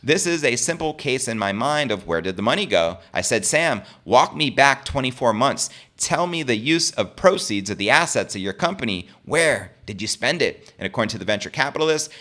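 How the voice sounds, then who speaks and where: A man's voice: mid-range voice, sing-song, fairly quick, few pauses, sharp tone. A man hosting a cryptocurrency news show, giving informal opinionated commentary in an emphatic, slangy way. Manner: emphatic, slangy, poses rhetorical questions to listeners.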